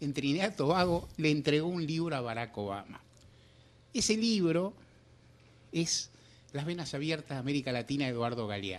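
A man talks at a moderate pace with long, frequent pauses. His pitch swings very widely. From Argentina. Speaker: radio host. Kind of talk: radio interview. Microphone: studio mic.

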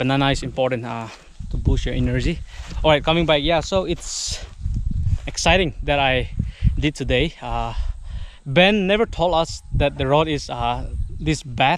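The speech comes at a moderate pace with long, frequent pauses, in a dry sound with no echo over light background noise. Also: man. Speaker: travel vlogger. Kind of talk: casual vlog chat. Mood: cheerful, joking. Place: open country. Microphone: phone near.

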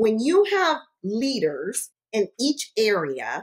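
A woman speaks with a fairly high pitch and lively intonation. The background is quiet. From Long Beach, California. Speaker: city council candidate. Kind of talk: interview answer. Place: home room.

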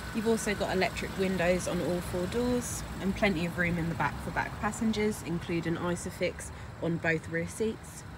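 A woman speaks at a fairly low pitch, the sound dry with no echo and noticeable background noise behind her. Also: ordinary pitch variation, moderate pace. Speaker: car dealership salesperson. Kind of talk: product walkaround commentary. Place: car.

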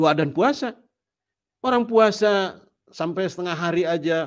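Speaking fairly slowly, a man varies his pitch in an ordinary way. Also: quiet background. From West Java (Sukabumi, Sundanese); West Java. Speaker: pastor and evangelist; pastor, evangelist. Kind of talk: testimony. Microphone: earbuds.

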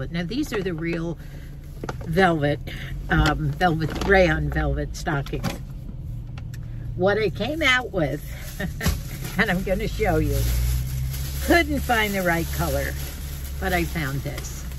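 A very slow pace with long, frequent pauses, a dry sound with no echo, and noticeable background noise. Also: woman. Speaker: vlogger. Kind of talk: casual vlog chat. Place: car. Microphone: phone near.

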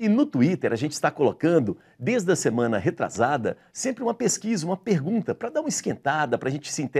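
Very wide pitch swings from a man at a fairly quick pace against a quiet background. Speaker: TV talk show host. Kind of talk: interview show host. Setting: studio with some guests on video link. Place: studio. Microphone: lapel.

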